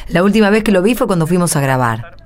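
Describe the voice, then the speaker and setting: A woman's voice: on the low side, big pitch swings, quick pace, a little mellow. A woman with an Argentine accent playing an anxious, puzzled parish churchgoer in a radio drama. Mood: worried. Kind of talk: Spanish-language radio drama acting and narration. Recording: music under the voice. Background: music.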